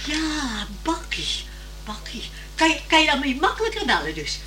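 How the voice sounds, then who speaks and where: A genteel older lady in a radio drama, high-voiced and swooping in pitch. She is fretful and imploring, repeating herself and exclaiming. The recording has a faint hiss and hum. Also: wildly swooping pitch, normal speed, sharp tone, exaggerated voice. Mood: pleading. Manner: fretful, stammering repetitions, exclaiming. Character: flustered, imploring well-to-do older lady, opera devotee. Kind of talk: Dutch radio play acting.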